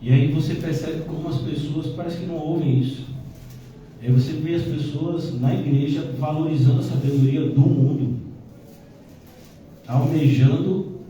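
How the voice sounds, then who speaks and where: A male pastor teaches a Bible study in a chatty, conversational way, his voice sitting a little high. The sound is heavily echoey, captured from a distant mic in a church hall with faint ambience behind. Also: normal speed, warm tone, dull audio, a little hiss or hum. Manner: conversational, with frequent "né?" asides.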